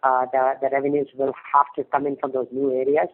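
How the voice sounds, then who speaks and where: A man's voice: medium pitch, completely flat delivery, quick pace. A male company executive answering investors on an earnings call, explaining hesitantly and repeating words over a phone line. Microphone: phone conference call. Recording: narrow, tinny conference phone line.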